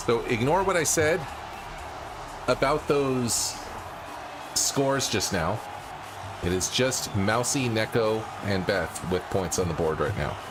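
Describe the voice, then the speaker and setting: Over music in the background and audible room echo, the speech goes very slowly with long, frequent pauses, very wide pitch swings and very even loudness. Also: man, medium pitch for a man. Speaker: live streamer hosting game races. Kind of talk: live commentary. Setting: live stream.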